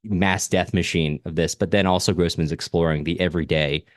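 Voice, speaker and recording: A man co-hosts a podcast about a novel, discussing the book in a casual, discursive, analytical way and often rephrasing himself mid-thought. His low voice keeps a steady tone at a brisk pace, recorded with clean studio sound and no echo.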